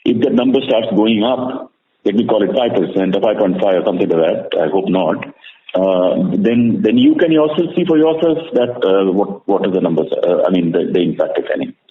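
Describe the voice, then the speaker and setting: A man with an Indian accent answering questions as a bank executive on a call, halting and repeating phrases to stress them. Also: lowish voice, animated. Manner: repetitive, halting, emphatic restating of phrases. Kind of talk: spontaneous answers to analyst questions. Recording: echoey narrowband phone line with faint noise.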